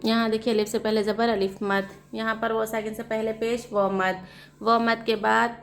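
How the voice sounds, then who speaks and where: A woman Quran reading teacher with a South Asian Urdu-Hindi accent, slowly spelling out letters and vowel marks and explaining the rules with questions. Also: a little high, level tone. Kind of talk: slow spelled-out recitation lesson.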